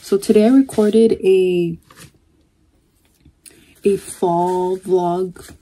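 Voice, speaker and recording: Slow, husky, mellow-voiced young woman. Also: lowish voice, fairly even intonation. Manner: chatty, unhurried, trailing off with fillers. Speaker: vlogger. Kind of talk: casual mukbang chat. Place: her bedroom.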